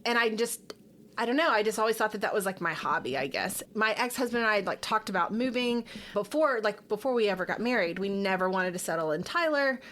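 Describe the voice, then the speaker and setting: A woman's voice: mid-range voice, quick pace, a bit bright. A middle-aged woman from Texas, a podcast guest talking casually and openly, with lots of fillers. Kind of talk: casual interview chat.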